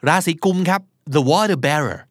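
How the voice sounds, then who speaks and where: Thai-accented man teaching slow pronunciation. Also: fairly high pitch, lively intonation, dry recording, clean studio sound. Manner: slow, spells words letter by letter. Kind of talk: podcast pronunciation lesson.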